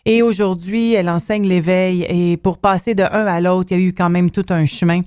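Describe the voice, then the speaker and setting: A woman's voice: lowish voice, fairly even intonation, darkish tone, no room sound, studio quality. A woman with a Québécois French accent hosting a conversational interview, chatty and full of fillers. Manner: chatty, filler-heavy, speeds up and slows down. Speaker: interview host.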